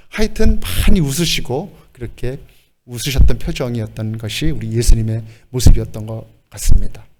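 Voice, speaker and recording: A male pastor preaching a sermon in a lively way, acting out quoted lines and laughing as he goes. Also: mid-range voice.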